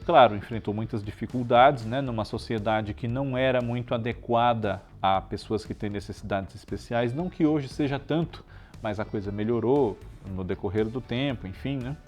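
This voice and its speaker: Brazilian man hosting, with music behind. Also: mid-range voice. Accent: Brazilian Portuguese. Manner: chatty, frequent tag questions seeking agreement. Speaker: show host. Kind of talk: conversational tribute presentation to viewers.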